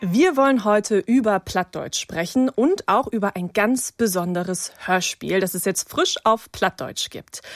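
A woman's voice: mid-range voice, no echo. A woman hosting a children's radio program in a studio, playful and inviting as she questions her guests. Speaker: children's radio show host. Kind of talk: lively radio presenting for children.

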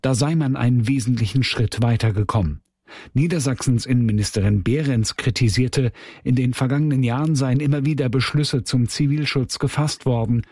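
A male news correspondent with a husky, slightly raspy voice, reading in a measured, formal way. The sound is dry and close to the mic. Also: medium pitch, darkish tone, dry recording. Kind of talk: radio news report.

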